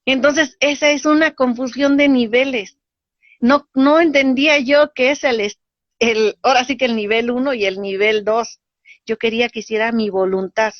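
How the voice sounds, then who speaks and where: A woman, a spiritual teacher explaining ideas in a lively way and acting out little dialogues. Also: a little high, moderate pace, dry recording. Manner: animated, acts out voices in dialogue. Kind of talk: teaching talk. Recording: dull lo-fi dry sound.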